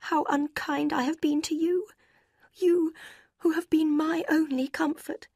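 A woman's voice: high voice, steady tone, a little slow, darkish tone, no room sound, studio quality, voice pushed up. A woman voicing a passionate young woman who speaks in an emotional, tearful, exclaiming way. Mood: anguished.

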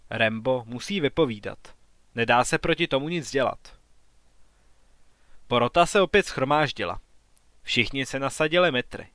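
A man narrating a science fiction audiobook story, reading every character's lines in an even, unhurried voice. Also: mid-range voice, no echo. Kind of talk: scripted narration.

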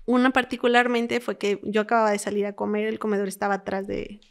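A woman's voice: mid-range voice, fast talker, vocal fry, clear, resonant tone. A young Mexican woman, a former emergency call operator, telling stories in a conversational podcast interview, acting out callers' frightened lines as she goes. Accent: Mexican Spanish. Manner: animated storyteller, quotes callers with dramatic whispers and pleas. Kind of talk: conversational storytelling.

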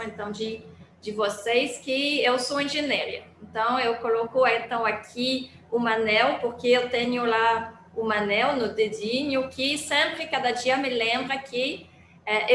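A woman's voice: fairly high pitch, fairly bright tone, slight background noise. A woman from Montreal with a Quebec French accent, giving an academic talk over a video call, hesitant with many fillers and restarts. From Montreal, Canada. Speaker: guest speaker, engineering physicist. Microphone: laptop mic on a video call. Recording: echoey room with faint ambience.

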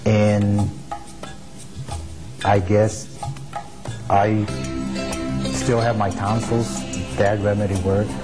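A man from Texas recalling his family's home remedies, speaking haltingly with many fillers. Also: fairly low pitch, flat delivery, over music. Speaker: interviewee. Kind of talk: personal recollection.

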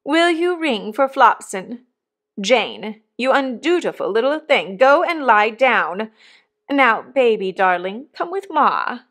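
A woman's voice: fairly high pitch, very animated, slow pace, fairly bright tone, exaggerated voice. A woman voicing a haughty, easily affronted upper-class mother in a storybook, speaking in a pompous, imperious manner.

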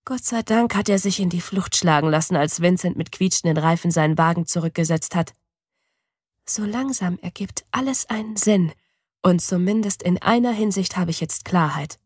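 A woman reading a novel aloud in the first person, with even, measured storytelling. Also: lowish voice, no echo. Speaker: audiobook reader. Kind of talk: scripted first-person audiobook narration. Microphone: close studio mic. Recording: dry studio.

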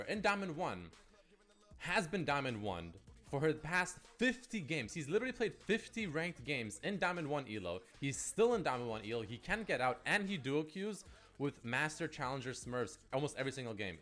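A man's voice: medium pitch, a bit bright. A man giving casual commentary on a video game, explaining a player's ranked history.

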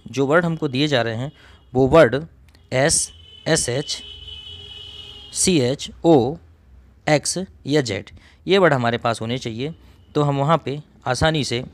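A man's voice: medium pitch, moderate pace, long pauses. Man explaining grammar step by step. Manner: explains step by step, repeats himself, often clears his throat. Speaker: English grammar teacher. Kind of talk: recorded coaching lesson.

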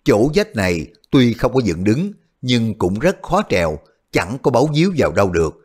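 Người kể chuyện nam, giọng sinh động. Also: male voice, on the low side, normal speed, husky. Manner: expressive, animated. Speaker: audiobook narrator. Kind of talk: scripted storytelling narration.

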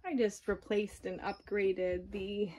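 A woman giving an unhurried walkthrough tour of her camper, plainly pointing out features one by one, recorded on a handheld phone inside the trailer. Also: mid-range voice, steady tone, darkish tone. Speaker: owner giving a home tour.

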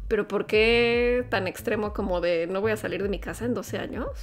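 A woman's voice: medium pitch, moderate pace. A woman in her thirties with a Mexican accent, co-hosting a podcast and chatting casually over a video call from home. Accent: Mexican Spanish. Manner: chatty, hedging with fillers. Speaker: podcast co-host. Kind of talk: casual chat, gossip. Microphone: headset, webcam.

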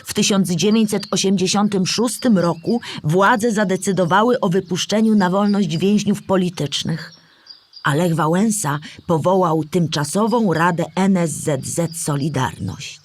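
A patient female storyteller in a children's audio play. She explains things in a clear, measured way, as scripted narration for young listeners. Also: fairly low pitch. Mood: explanatory, patient.

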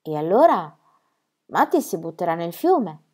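A woman voicing a calm, loving mother in a reading of a children's story, speaking slowly and softly. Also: husky, heavily acted. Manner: slow, calm, low and soft. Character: calm, loving mother Lovisa, steady and wise.

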